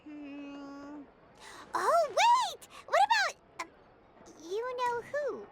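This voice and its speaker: Squeaky, tiny, childlike fairy. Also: female voice, huge pitch swings, drawn-out words, heavy background noise, heavily acted. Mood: eager, thoughtful. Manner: speaks of self in third person, perky. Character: Paimon, tiny childlike female fairy companion, chirpy and eager. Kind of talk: anime game voice acting. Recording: music behind the voice. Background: music.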